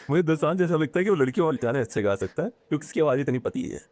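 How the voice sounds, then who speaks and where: A man talking in a casual podcast conversation, animated and opinionated, mixing English phrases into his speech. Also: on the high side, no echo. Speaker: podcast guest.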